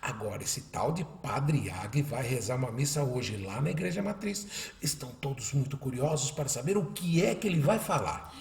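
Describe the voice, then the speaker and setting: A man's voice: medium pitch, lively intonation, moderate pace, creaky, a little mellow, far from the mic. A man playing a devoted, folksy small-town Brazilian husband and father in a religious radio drama. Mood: calm, hopeful. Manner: folksy, affectionate. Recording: roomy echo, off the mic.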